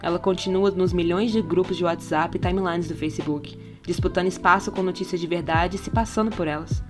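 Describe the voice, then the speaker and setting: Very fast-talking Brazilian woman narrating. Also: lowish voice, steady tone. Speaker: podcast narrator. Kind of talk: scripted essay narration. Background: background music.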